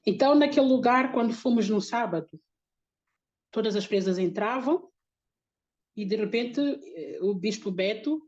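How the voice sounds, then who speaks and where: Woman, higher-pitched, earnest testimony delivery, dull lo-fi sound. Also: animated, a little slow, pauses often, a little mellow. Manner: earnest, emotional storytelling. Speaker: missionary giving testimony. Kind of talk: religious testimony.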